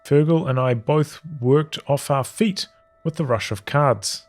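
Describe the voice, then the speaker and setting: Slow-paced man reading a story over music. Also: mid-range voice. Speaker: streamer reading a visual novel aloud. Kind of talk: read-aloud storytelling of journal entries.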